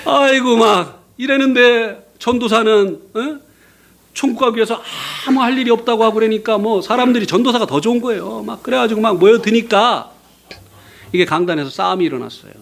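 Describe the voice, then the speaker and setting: A man preaching as a guest speaker, telling his testimony in a lively storytelling way and often laughing. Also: very high voice, fairly quick, creaky. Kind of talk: sermon with personal testimony.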